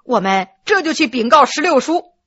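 A woman doing a two-faced young disciple, overdone crying, bright dry voice. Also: high voice, big pitch swings, moderate pace, no echo, dull audio. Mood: smooth persuading. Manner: theatrical crying. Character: two hypocritical male disciples, fake wailing.

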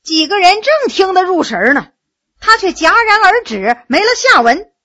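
A woman narrating a story in an expressive, animated reading. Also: very high-pitched, moderate pace.

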